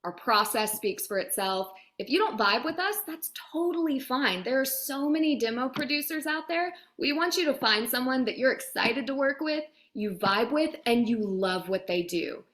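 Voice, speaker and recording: A woman's voice: sits high, animated, moderate pace, hardly any pauses, fairly bright tone. A woman speaking as an interviewed producer in a casual chat, direct and emphatic. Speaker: voiceover demo producer being interviewed.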